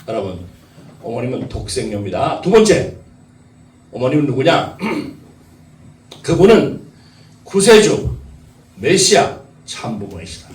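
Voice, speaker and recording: A man's voice: on the high side, a little mellow. A man preaching a sermon to his congregation, repeating key phrases and putting questions to the listeners. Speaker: pastor. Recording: echoey hall, mic at a distance.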